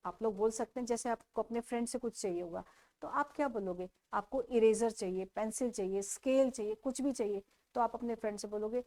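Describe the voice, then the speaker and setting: A woman teaching a children's textbook lesson, repeating each question and answer slowly for young pupils. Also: on the high side, warm tone.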